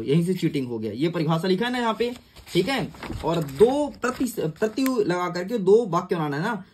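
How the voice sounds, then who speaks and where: A man's voice: high voice, a little mellow, breathy edge. A young man teaching an exam-prep lesson in a casual, chatty way, talking to his students like friends. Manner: chatty, calls students "yaar" and "bhai".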